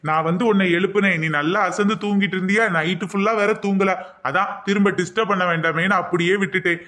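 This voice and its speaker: A man's voice: sits high, fairly even intonation, fast, pushed and bright. A man playing a clever husband and son in a cartoon, coaxing his mother and firm with his wife. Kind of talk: cartoon voice acting.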